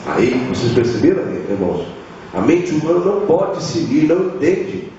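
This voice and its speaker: A man's voice: a little high, big pitch swings, normal speed, crowd noise. Brazilian man preaching in an echoey hall. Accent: Brazilian Portuguese. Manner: preaching with dramatized voices of biblical figures. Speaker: pastor. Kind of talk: sermon. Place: church hall. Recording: echoey church hall, far mic, dull.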